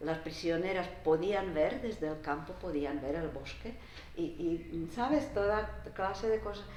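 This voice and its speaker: Intonation is lively while the pace stays fairly slow. Audible room echo and noticeable background noise fill the recording. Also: woman, fairly low pitch for a woman. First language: Czech (speaking Spanish). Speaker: author. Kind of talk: book presentation conversation. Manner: halting.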